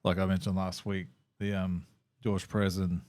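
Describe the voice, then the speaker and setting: A man hosts his own podcast in a loose, rambling way, full of ums and false starts. His voice sits a little low and is hoarse from overuse. The sound is dry and close, with no room echo. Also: level tone, normal speed, a little mellow. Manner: rambling, lots of fillers and restarts. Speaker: podcast host. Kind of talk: casual solo podcast chat. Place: home.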